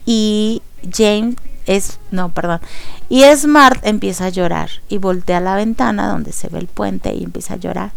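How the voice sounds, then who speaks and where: A young woman with a Mexican accent hosting a radio show, excitedly recapping a series in casual chat. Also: medium pitch, measured pace, gravelly, soft background music. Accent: Mexican Spanish. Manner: expressive, excitable storyteller.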